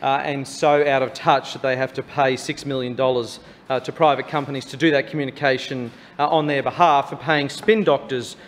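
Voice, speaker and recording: An Australian man speaking as an opposition councillor in a chamber debate, critical and halting, often repeating words. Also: mid-range voice, fairly even intonation, a little hiss or hum. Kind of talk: political debate speech. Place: large wood-panelled council chamber. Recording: reverberant council hall.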